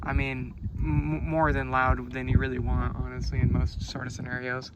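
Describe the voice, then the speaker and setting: A man's voice: medium pitch, monotone, normal speed, muffled recording, noisy background. A man giving a casual, unscripted product review outdoors, rambling along in a laid-back, hesitant way. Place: outdoors on a boat on a lake.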